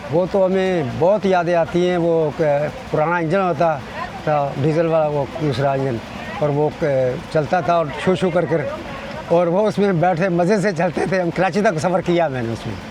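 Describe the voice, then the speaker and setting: A man's high-pitched voice over crowd noise in the background. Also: ordinary pitch variation. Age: 70s. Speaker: elderly train passenger. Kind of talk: casual interview. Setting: on a moving train. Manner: halting.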